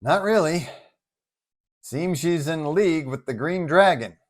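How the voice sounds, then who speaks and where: A man's voice: on the high side, animated, unhurried, voice pushed up. Man voicing a wry, wounded superhero. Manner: wry, matter-of-fact. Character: wounded, wry male superhero, wearily sarcastic. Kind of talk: audio storybook dialogue.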